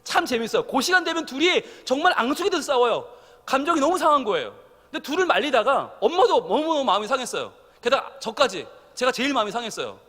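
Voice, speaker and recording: A middle-aged man preaching a sermon, telling a family story and acting out the quotes with lively storytelling. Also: very high-pitched, quick pace, in a large hall. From South Korea. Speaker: pastor. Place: church sanctuary.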